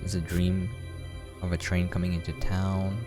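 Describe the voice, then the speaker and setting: A man with a low-pitched voice talks casually through a visual novel, alternating between reading the text and musing on it. Soft music plays faintly behind him. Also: completely flat delivery, moderate pace. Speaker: game preview commentator.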